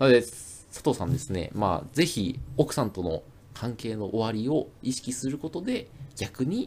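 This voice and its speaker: At a moderate pace, a man speaks with a Kansai accent. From Kansai, Japan. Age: 30s. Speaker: podcast co-host. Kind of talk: casual chat.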